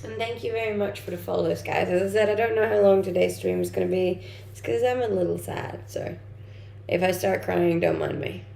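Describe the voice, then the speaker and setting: A woman's voice: fairly low pitch, steady tone, fairly quick, gravelly, dark tone. A young woman from Denmark, a native Danish speaker, chatting informally on a livestream as she reads and answers viewer comments. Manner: informal, conversational. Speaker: livestream host, content creator. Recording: roomy echo, faint background noise.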